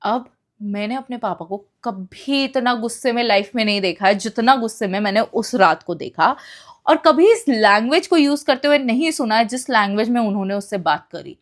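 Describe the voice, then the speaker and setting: Young woman, somewhat high pitch, casual storytime, expressive, code-mixing with English. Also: normal speed. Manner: mixes English phrases into her speech; emotional, expressive retelling. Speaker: vlogger telling a personal story.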